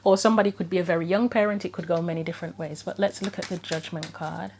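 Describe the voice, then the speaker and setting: Low-voiced woman giving a casual tarot reading. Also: fairly even intonation, quick pace, a little mellow, a little hiss or hum. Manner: informal, tentative, thinking aloud with hedged possibilities. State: throat trouble, voice starting to go, clearing throat. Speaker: tarot reader, host of own channel.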